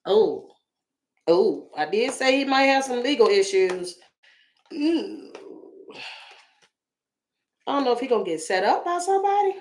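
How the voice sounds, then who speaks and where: A woman with a slightly raspy voice, chatting through a tarot reading for her viewers with exclamations and asides. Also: fairly high pitch, big pitch swings, a little slow, pauses often, a little mellow. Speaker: tarot reader.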